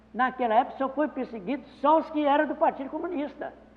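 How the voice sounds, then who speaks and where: With noticeable background noise, a man talks at an extremely high pitch with ordinary pitch variation. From northern Minas Gerais, Brazil. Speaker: peasant movement veteran. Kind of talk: testimony.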